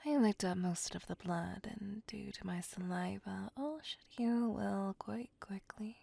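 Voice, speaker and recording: A seductive, menacing female vampire, as a woman acts her out, whispering right at the ear in a slow, formal hush. Her breathy voice carries a gravelly fry, and the close recording is completely dry. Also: medium pitch, fairly even intonation, no room sound, full character voice. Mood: possessive. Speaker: voice actor. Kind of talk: whispered ASMR roleplay.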